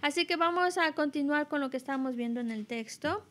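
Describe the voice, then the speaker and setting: High-voiced woman interpreting a Buddhist teaching. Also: a bit bright. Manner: measured and explanatory, with many restarts.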